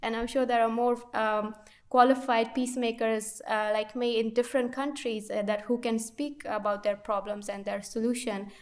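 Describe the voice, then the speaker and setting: A woman's voice: fairly high pitch, flat delivery, normal speed. Earnest young woman from Afghanistan. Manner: earnest, emphatic, with frequent restarts. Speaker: conference panelist. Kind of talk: unscripted conference talk. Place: chapel conference hall.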